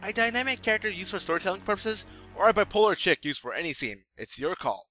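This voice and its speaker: A man's voice: high voice, sing-song, quick pace, bright, forceful tone, faint music behind. A man giving a casual, opinionated video review as host, irreverent, sarcastic and slangy in his delivery.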